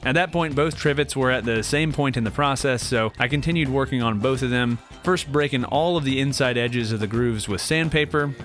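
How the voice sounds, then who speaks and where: A man's voice: mid-range voice, brisk, fairly bright tone, faint music behind. A man in his thirties, host of a woodworking channel, plainly explaining each step of a build in voice-over. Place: home woodworking shop.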